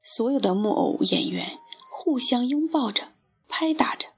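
A woman reading a storybook aloud to children in a gentle, expressive way. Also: on the high side, measured pace, slightly rough, soft background music.

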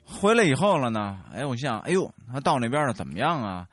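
Lively man telling a story. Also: medium pitch, fairly quick, no echo, faint music behind. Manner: animated, laughing, many restarts. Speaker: storyteller in a chat show. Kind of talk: casual storytelling chat.

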